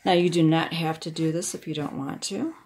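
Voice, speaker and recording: A woman's voice: low-pitched, fairly even intonation, a little fast, a little mellow. A woman giving a casual hands-on craft demonstration, talking herself through each step. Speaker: craft tutorial host, independent product demonstrator. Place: indoors at a wooden craft table.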